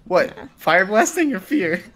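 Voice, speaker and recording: A man's voice: high voice, big pitch swings, measured pace, pushed and bright, rough recording. A man playing a tabletop roleplay game, bantering playfully and casually, often repeating his phrases.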